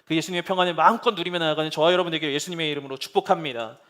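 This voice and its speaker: A man with a high voice preaches in a church. He speaks earnestly, at times soft and consoling, at times fervent and pleading. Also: racing. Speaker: pastor. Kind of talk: sermon. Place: church sanctuary.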